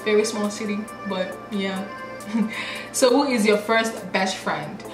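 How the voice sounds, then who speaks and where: A woman's voice: medium pitch, fairly even intonation, takes it slowly, echoey room, over music, rough recording. A woman in her late twenties, from Nigeria, chatting to her viewers in a casual get-to-know-me vlog, laughing at herself as she answers questions. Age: late 20s. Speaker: YouTuber. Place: small indoor room.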